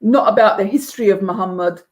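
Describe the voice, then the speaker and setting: Woman, about fifty, middle pitch, earnest, measured testimony, interview guest. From England. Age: around 50. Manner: earnest, measured, with some restarts. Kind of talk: personal testimony in conversation.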